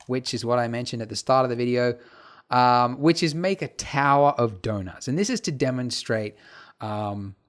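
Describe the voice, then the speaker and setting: A man teaching a casual software tutorial over his screen, chatty and full of fillers and asides. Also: medium pitch, lively intonation, normal speed. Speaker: tutorial instructor.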